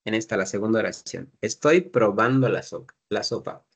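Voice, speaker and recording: A man's voice: on the low side, moderate pace, slightly rough. A man teaching an English class, explaining patiently step by step and drilling pronunciation.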